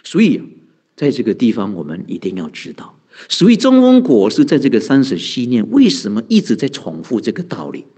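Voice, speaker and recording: A man's voice: medium pitch, huge pitch swings, fairly quick, dark tone, slightly rough. A man, a Buddhist monk giving a conversational dharma talk, asking rhetorical questions and answering them, chuckling often. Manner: chuckles often, heavy use of sentence-end particles.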